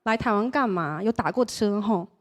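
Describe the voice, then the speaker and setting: A woman comedian voicing a nosy Taiwanese male taxi driver with slow, drawling questions. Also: mid-range voice, lively intonation, very noisy, pitched below the performer's own voice, natural voice. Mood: curious.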